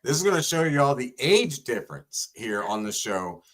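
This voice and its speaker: A man's voice: mid-range voice, sing-song, normal speed, a crowd in the background. A man co-hosting a talk show, chatting and telling stories casually. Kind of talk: casual chat and storytelling.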